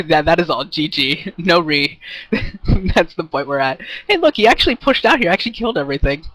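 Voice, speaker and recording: A young man co-commentating a game, sarcastic and excitable with quick jokes, on a headset mic. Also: on the high side, no echo. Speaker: esports co-commentator.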